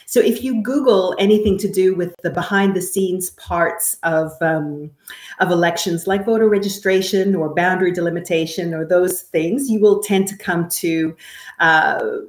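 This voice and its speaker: Woman from canada, interview guest, explains stuff in a careful measured way, roomy echoey sound. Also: fairly low pitch. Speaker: guest, election expert.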